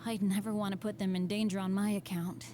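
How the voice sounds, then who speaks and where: A woman's voice: medium pitch, little pitch movement, fairly quick, mellow, slight background noise, lightly acted. A woman voicing an earnest, good-hearted, unlucky teenage boy adventurer in a video game. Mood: downcast, resigned. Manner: boyish, earnest. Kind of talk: video game character voice acting.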